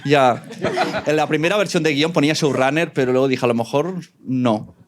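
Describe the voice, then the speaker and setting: Man, accent from Spain, mid-pitched, live panel moderator, informal, joking, teasing. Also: fairly quick. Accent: Spanish from Spain. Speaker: event host and panel moderator. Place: live event venue with audience.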